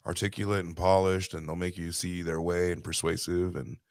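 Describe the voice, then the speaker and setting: A man's voice: deep voice, little pitch movement, a little fast, darkish tone, no echo. Brief: male co-host from Cuba, loose, jokey, swears freely, dead dry mic. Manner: swearing, joking. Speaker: podcast co-host. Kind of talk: casual podcast chat.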